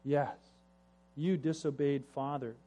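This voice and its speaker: A man voicing a patient, gentle eldest brother who speaks softly and firmly. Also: medium pitch, fairly even intonation, slow pace. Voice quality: soft, patient.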